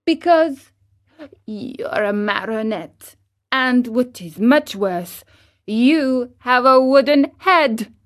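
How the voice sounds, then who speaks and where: A woman reading a storybook aloud, voicing a wise old male cricket who speaks in a calm, measured, moralizing way. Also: a little high, pitched above the performer's own voice.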